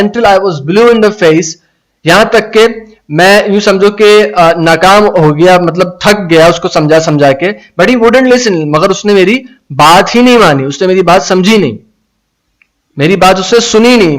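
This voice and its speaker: Slow-reading man teaching English. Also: sits high, low-quality recording. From Pakistan. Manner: slow, deliberate reading of English phrases, then explaining in Urdu; reads viewers' comments aloud. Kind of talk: live-streamed English lesson in Urdu.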